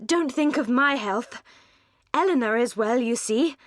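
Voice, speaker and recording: Woman acting an ardent, high-pitched young lady. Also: unhurried, dry recording, clean studio sound, natural voice. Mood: spirited, tearful. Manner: emphatic, spirited, intense. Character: passionate, earnest young woman with ardent feelings.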